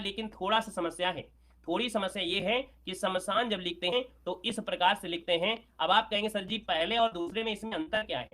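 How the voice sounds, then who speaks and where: A man teaching Hindi grammar for an exam, working through questions aloud, repeating words and checking that it is clear. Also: sits high, bright, forceful tone. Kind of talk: exam prep lesson.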